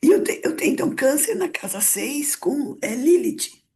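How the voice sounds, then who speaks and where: A woman on a video call is hoarse and slips into whispers as she talks. Her voice is high and swings a lot in pitch. She speaks in short, halting bursts. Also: lively intonation, a little mellow. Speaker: study group participant.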